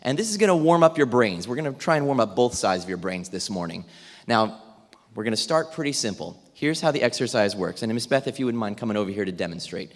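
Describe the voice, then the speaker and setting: A man facilitating a theatre warm-up exercise for a room of people, upbeat and jokey as he gives instructions. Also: on the low side, animated, quick pace. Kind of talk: leading a group warm-up exercise for an audience. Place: large indoor event room with tables. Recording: echoey hall with long reverb.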